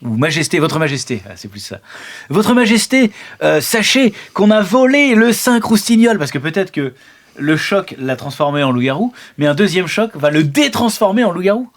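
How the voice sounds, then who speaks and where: A man's voice: high voice, sing-song, normal speed, pitched above the performer's own voice. A man voicing a cowardly male adventurer who hesitantly pleads with the king, fumbling for the right courtly address. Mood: earnest pleading.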